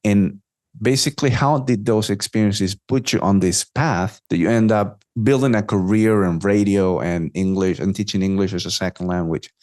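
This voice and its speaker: A man's voice: on the low side, normal speed, a little mellow, no echo, studio quality. A man hosting a podcast interview, affirming his guest and asking long, framing questions. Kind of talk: casual interview.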